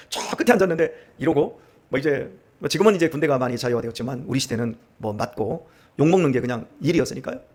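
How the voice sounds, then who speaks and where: A middle-aged male pastor from central Korea preaches in a church sanctuary, his voice sitting high for a man. He swings widely up and down as he tells humorous stories and acts out how other people talk. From Chungcheong region, Korea. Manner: animated, acts out dialects and laughs while telling stories. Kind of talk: sermon with humorous storytelling.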